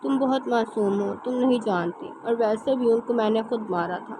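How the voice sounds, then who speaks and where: A woman voicing a fiery, blunt young woman who scolds in rapid outbursts. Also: a little high, background noise, lightly acted. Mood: indifferent.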